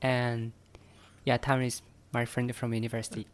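A young man from Japan, co-hosting a podcast with brief, quiet replies. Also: medium pitch, completely flat delivery, normal speed. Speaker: podcast co-host. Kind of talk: casual chat.

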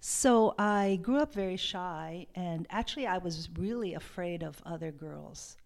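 A woman from Hawaii, a love and sexuality coach, talking in a soft, hesitant and reflective way as an interview guest. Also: on the low side, measured pace, creaky. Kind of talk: podcast interview.

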